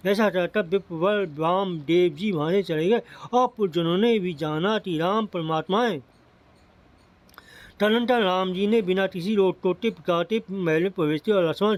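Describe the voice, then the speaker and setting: A man with a notably high voice reads a devotional scripture passage aloud. His delivery is a steady recitation that now and then trips and doubles back over a word. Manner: steady recitation with frequent slips and restarts. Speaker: scripture reader.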